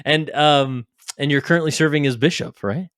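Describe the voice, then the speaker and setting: A man's voice: fairly high pitch, moderate pace, a bit bright, dry recording, clean studio sound. Chatty male podcast host. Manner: chatty and upbeat, loose with fillers like "you know". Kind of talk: casual podcast interview.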